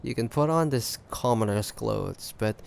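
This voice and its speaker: A man playing an ambitious, shrewd pirate captain in an audio roleplay, taunting the listener in a deliberate, conspiratorial way. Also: mid-range voice, vocal fry, slight background noise. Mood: smug probing. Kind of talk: roleplay audio drama monologue addressed to listener.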